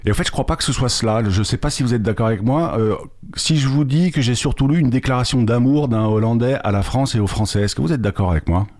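A man hosting a radio interview, relaxed and teasing, asking long winding questions. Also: mid-range voice, fast. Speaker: radio host. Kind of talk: conversational interview.

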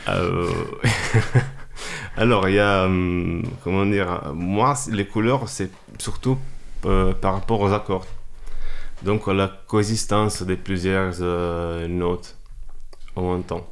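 A low-voiced man, a jazz pianist and accordionist whose first language is Italian, talks in French at an unhurried pace. He often hesitates and searches for his words as he explains his thoughts. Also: steady tone. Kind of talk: casual interview talk.

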